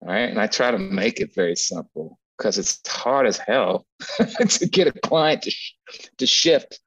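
A man being interviewed as an agency strategist, telling stories in a blunt, animated way with lots of swearing and repeated words. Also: fairly low pitch, unhurried, breathy edge, low-quality recording. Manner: animated storytelling, frequent profanity and repetitions. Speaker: guest, agency founder and strategist. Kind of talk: casual podcast interview.

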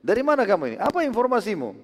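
A man's voice: high voice, wildly swooping pitch, racing, pitched above the performer's own voice. A man voicing a wary, doubtful male tribal chief in a retold story, speaking in a scoffing, questioning way. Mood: anxious. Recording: long hall reverb.

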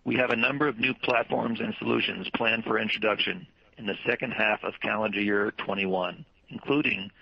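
A man presenting as a company executive, reading prepared earnings call remarks in a formal, measured way. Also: medium pitch, vocal fry, husky, dry recording, dull audio. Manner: formal, measured read-out delivery.

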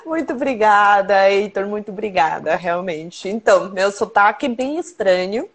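A woman from Colombia with a Colombian accent and Spanish as her first language, a tourism representative talking on a live stream over a video call. She is lively, friendly and playful. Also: mid-range voice, moderate pace. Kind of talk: casual live-stream interview. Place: home in Toronto, streaming live.

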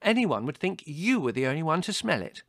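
A man's voice: fairly high pitch, sing-song, fairly quick, a bit bright, dry recording, studio quality, pitched above the performer's own voice, heavily acted. A man voicing an indignant, stubborn teenage girl in an audiobook, petulant and accusing. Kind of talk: audiobook character dialogue.

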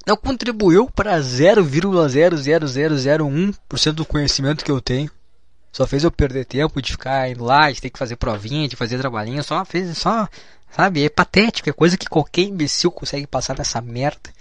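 A man's voice: on the high side, brisk, no room sound. Blunt young Brazilian man, dry sound. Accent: Brazilian Portuguese. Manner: blunt, swears often, says "cara" a lot; reads aloud from a book then comments. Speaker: vlogger. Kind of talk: casual monologue.

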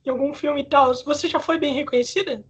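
A woman's voice: high-pitched, steady tone, fast, muffled recording. A Brazilian woman interviewing a guest in a casual, slangy, eager way. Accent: Brazilian Portuguese.

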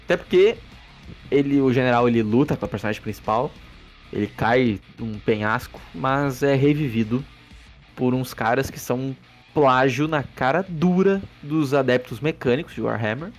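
A Brazilian man hosting a podcast in a sarcastic, rambling way, swearing freely and restarting his sentences. His voice sits in the middle range. Soft background music plays under him. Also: medium pitch, normal speed. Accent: Brazilian Portuguese. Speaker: podcast host. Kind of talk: casual podcast movie review. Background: faint background music.

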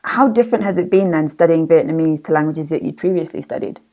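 A woman's voice: sits low, quick pace, mellow. A woman hosting a casual podcast interview, attentive and encouraging as she puts questions.

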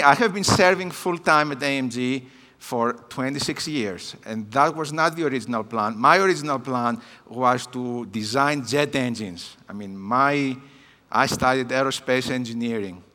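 A man's voice: mid-range voice, bright, forceful tone, big-room sound. A man of about fifty with a Greek accent, a native Greek speaker giving a personal talk at a church conference, with many hesitant fillers. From Greece. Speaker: guest missions speaker. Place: church hall.

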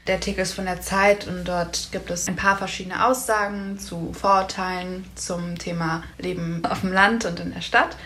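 A nineteen-year-old woman from Berlin speaks frankly and easily, with a slightly low voice. Faint background noise runs under her speech. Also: level tone, normal speed, hardly any pauses, a bit bright. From Berlin, Germany. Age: young adult. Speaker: podcast volunteer. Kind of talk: casual discussion.

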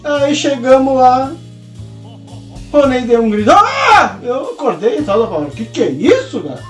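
A man's voice: very high voice, normal speed, far from the mic. A man telling a crude comic anecdote in casual chat, acting out the scenes and swearing freely. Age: 30s. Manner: animated, swearing storyteller who acts out scenes. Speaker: podcast co-host telling a story. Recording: roomy echo, off-mic, music behind.

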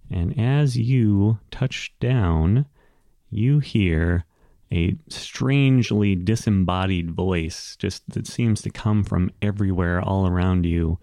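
A man with a low, mellow voice runs a tabletop game. He narrates slowly and off the cuff, pausing to search for words, in a dry close sound. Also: no room sound. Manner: hesitant, pausing to find words. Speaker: game master and show host. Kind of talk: improvised tabletop game narration and casual chat.

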